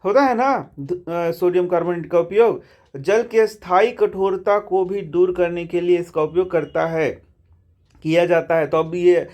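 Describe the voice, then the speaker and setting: A man's voice: high-pitched, unhurried, darkish tone. A man teaching a science lesson line by line from the textbook, chatty, calling his students brother and asking questions that he answers himself. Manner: chatty, addresses students as bhai.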